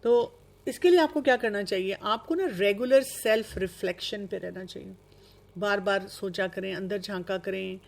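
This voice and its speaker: A woman's voice: medium pitch, a little mellow. A woman giving an earnest talk of advice to young people, slipping English terms into her speech. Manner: acts out young people's excuses in quoted asides. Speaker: speaker on youth guidance. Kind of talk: lecture on self-improvement.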